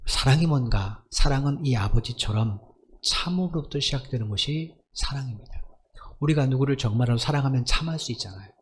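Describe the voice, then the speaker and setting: A man's voice: mid-range voice, expressive, brisk. A male pastor preaching a Sunday sermon, emphatic, asking the congregation rhetorical questions.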